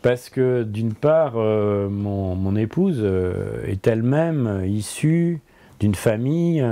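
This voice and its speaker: Man, 60s, native French speaker, interview guest; low, dark, husky tone; reflective, hesitant delivery. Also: animated. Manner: thoughtful, halting, frequent repetitions and hesitations. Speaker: interviewee, philosopher and translator. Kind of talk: conversational interview. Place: book-lined office, indoors.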